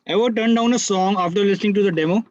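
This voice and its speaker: High-voiced male interviewer on dull audio. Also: quick pace, dry recording. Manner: reads short questions, stumbles on words.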